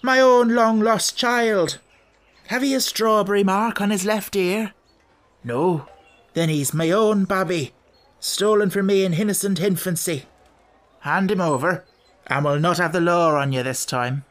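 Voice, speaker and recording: A reader voicing a rough, bluff gypsy man who claims a stolen baby, loud and in common speech. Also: mid-range voice, a little slow, voice pushed up, lightly acted. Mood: blustering.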